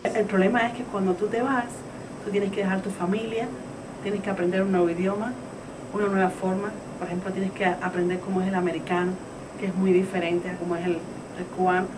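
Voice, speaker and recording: A woman's voice: mid-range voice, little pitch movement, fast talker. A woman from Cuba explains steadily and earnestly how hard it is to adapt to a new country. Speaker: interviewee. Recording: distant mic with background noise.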